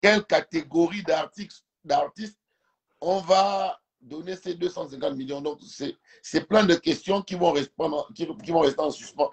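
Speaking at a normal speed with a slightly high voice and some vocal fry, this Gabonese man, whose first language is Fang, argues emphatically as a guest on a live stream. The casual debate happens over a phone video call, with the camera held close as he lies on his couch indoors, repeating words as he hunts for them.

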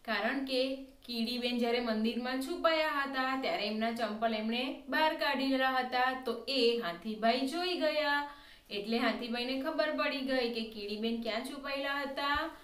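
High-voiced woman telling children a story. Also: moderate pace, fairly bright tone, roomy sound. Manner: asks the children questions and repeats each line. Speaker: teacher.

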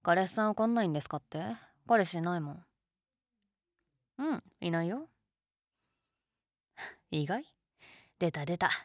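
Low-voiced, teasing college girl played by a woman. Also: expressive, a little slow, long pauses, no room sound, clean studio sound. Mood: teasing, amused. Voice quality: low-toned. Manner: teasing, casual, gently coaxing. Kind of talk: intimate situation-voice role-play, casual chat.

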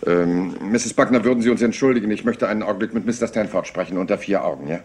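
A man playing a rumpled, persistent middle-aged police inspector in a German-dubbed crime drama, husky, polite and offhand. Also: on the low side, fast, a little mellow. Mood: polite, probing.

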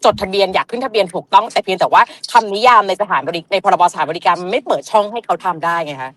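A woman's voice: medium pitch, animated, fast, fairly bright tone, no echo. A woman politician, a guest on a casual talk show, explaining at length and often restarting her sentences.

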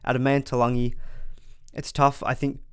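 A man's voice: mid-range voice, level tone, brisk, clean tone, no room sound, clean studio sound. A man, hosting a casual fantasy sports live stream at home, slightly congested from a cold, chatty and reading viewer comments. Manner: chatty, reads viewer comments aloud, frequent restarts.

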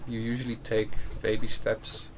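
A low-voiced man in his forties talks through his experiences as an interview guest, in a measured way with frequent pauses. There is a gravelly creak in his voice. He is recorded outdoors on a boat with clear ambient noise around him. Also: completely flat delivery. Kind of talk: unscripted interview storytelling. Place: outdoors in a sailboat cockpit at anchor.

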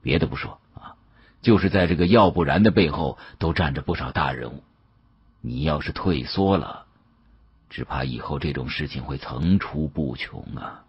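A man as a deep, husky old professor. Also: expressive, moderate pace, highs cut off, exaggerated voice. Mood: grave. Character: measured, shrewd older male professor.

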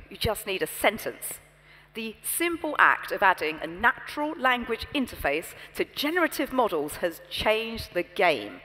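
A young British woman giving a scripted keynote on a large conference stage, poised and expressive, through a headset mic. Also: mid-range voice. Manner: poised, expressive, storytelling delivery. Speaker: keynote speaker. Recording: long reverb from a large hall.

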